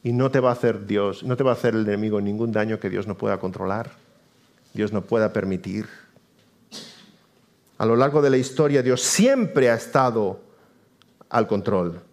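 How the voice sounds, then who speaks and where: A man preaching a sermon, swinging between emphatic raised lines and hushed low endings. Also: moderate pace, long pauses. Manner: dramatic swings between emphatic rises and quiet low drops.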